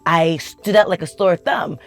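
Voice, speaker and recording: Low-voiced woman in thoughtful chat. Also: unhurried, faint music behind. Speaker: podcast co-host. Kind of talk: casual family chat.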